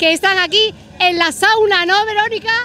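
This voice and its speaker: A woman speaks in a raised, projected voice, the sound dry with no echo and light background noise behind her. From Andalusia, Spain. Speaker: local TV reporter. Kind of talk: on-location event interviews. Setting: outdoors at a town festival. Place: street. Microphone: handheld.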